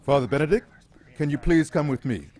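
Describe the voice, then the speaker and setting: A man's voice: fairly high pitch, expressive, a little fast, darkish tone. A man playing a stern, formal police officer in an audio drama. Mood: stern, official.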